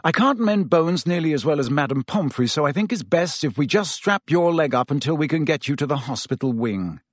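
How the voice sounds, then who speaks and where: A man voicing a quiet, resolute adult man in an audiobook, controlled and businesslike, with a measured, firm delivery. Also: fairly high pitch, lively intonation, dry recording.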